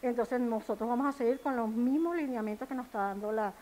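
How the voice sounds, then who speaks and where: A woman interviewed for a news report, speaking haltingly with many restarts. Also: a little high, mellow, a little hiss or hum. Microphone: handheld reporter mic. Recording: tinny phone-like sound.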